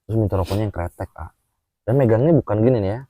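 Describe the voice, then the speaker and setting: A man telling his personal experience in a casual chat, animated and full of fillers. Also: fairly low pitch, rapid-fire, no echo. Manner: animated, with frequent filler "ah" and "A", acts out gestures while telling.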